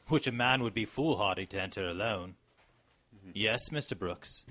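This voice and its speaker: A man playing a genial, courteous gentleman doctor telling his adventures in an old-time radio drama. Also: medium pitch. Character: genial English gentleman doctor, Sherlock Holmes's companion, reminiscing. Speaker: radio play actor narrating as the doctor.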